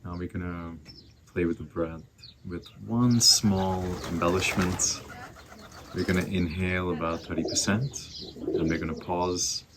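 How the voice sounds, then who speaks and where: Very low-voiced man guiding slow breathing. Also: background noise. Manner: slow, soft, calm cueing with long pauses. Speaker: breathwork instructor. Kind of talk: guided breathing class.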